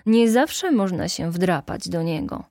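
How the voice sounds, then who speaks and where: A woman reading as a gruff, muttering security chief. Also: on the low side, expressive, unhurried, a little mellow, no echo, clean studio sound. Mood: grim. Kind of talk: audiobook reading.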